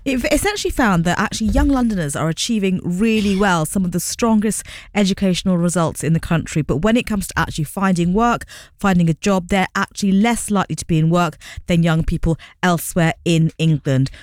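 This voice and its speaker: Female radio reporter, measured and explanatory, lower voice, dry booth sound. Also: darkish tone, no room sound.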